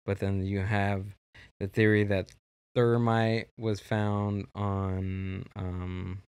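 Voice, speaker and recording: A man's voice: on the low side, little pitch movement, darkish tone, smooth, dry recording. A man hosting a casual podcast chat, rambling and restarting his sentences often in a studio. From Mexico. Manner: rambling, halting, many restarts. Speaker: podcast host.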